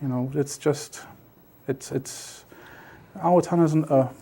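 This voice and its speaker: Halting middle-aged man from South Texas. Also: on the high side, fairly even intonation, warm tone, breathy edge. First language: Basque. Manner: halting, many fillers and restarts. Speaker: interview guest. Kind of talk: casual storytelling.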